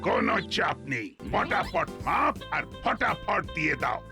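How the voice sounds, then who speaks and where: A man voicing a pompous, excitable, blustering police inspector in a comic cartoon. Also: high voice, a little slow, over loud music, exaggerated voice. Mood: bossy, eager.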